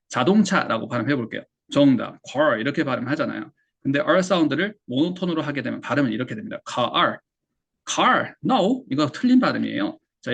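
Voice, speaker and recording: Gravelly, husky Korean man teaching English. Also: mid-range voice. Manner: explains step by step, asks and answers his own questions; demonstrates English words by repeating them. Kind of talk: online English pronunciation lesson.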